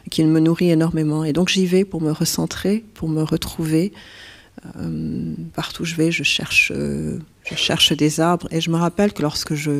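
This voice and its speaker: A woman from Burundi with a Burundian French accent, whose first language is Kirundi, speaking as a poet in a reflective interview, pausing often with fillers and restarts. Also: sits low. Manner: hesitant, many fillers and restarts. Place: stage at a poetry house.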